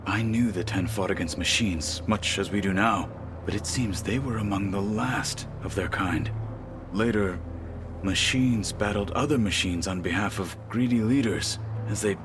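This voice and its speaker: A man playing a stoic, proud tribal warrior in a game, speaking in a formal, measured, earnest way over music. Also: fairly low pitch, noisy background, close to an everyday voice. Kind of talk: video game cutscene dialogue.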